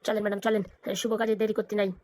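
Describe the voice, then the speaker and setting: A performer voicing a fawning, flattering lawyer sidekick in a comedy cartoon, eager and colloquial. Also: medium pitch, racing, no room sound, lightly acted. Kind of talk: exaggerated cartoon comedy dialogue.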